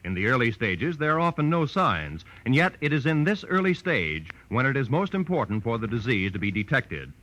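A man's voice: mid-range voice, big pitch swings, sharp tone, highs cut off, a little hiss or hum. A man with an American accent reading a scripted 1940s radio announcement in a formal, emphatic way. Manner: formal, emphatic, measured phrasing.

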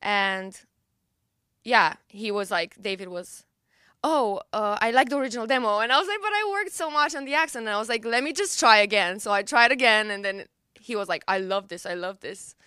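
Young woman, Romanian native, bright crisp voice, bubbly interview chat, dry close sound. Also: mid-range voice, lively intonation, fairly quick, dry recording. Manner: bubbly, filler-heavy, laughs easily. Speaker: singer-songwriter guest.

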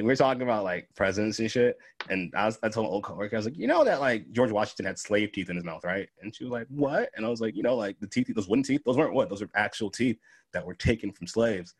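A young man co-hosting a podcast, chatting casually, swearing a lot and jumping into high-pitched voices when he quotes people. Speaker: podcast co-host. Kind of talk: casual chat.

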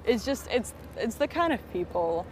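A woman's voice: on the high side, big pitch swings, normal speed. Chatty young woman from Spain, outdoors. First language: Russian. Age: young adult. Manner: chatty, many "like" fillers and restarts. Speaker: guest photographer and director. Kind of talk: casual walking interview. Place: outdoors on a college campus near traffic. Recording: outdoor street noise behind the voice.

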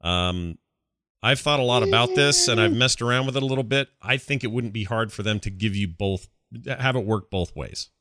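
A man hosts a gaming podcast in casual talk. His voice sits on the low side but has a bright, forward edge. The sound is very dry, with hardly any room in it. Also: moderate pace, dry recording. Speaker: podcast co-host.

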